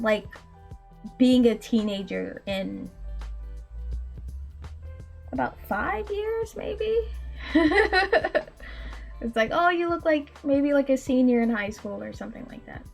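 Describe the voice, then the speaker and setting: A woman in her late twenties with a very high, small voice, telling a story in a casual chat full of laughs and fillers. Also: creaky. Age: late 20s. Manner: animated, laughs often, frequent likes and ums. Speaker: indie game developer and streamer.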